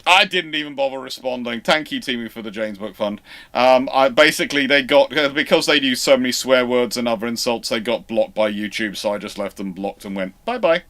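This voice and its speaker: A man's voice: mid-range voice, a bit bright. Rambling man hosting a live stream. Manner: rambling, halting with repeated false starts; over-careful emphasis on some words. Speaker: host of live naval history Q&A stream. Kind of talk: live-stream Q&A, informal explaining.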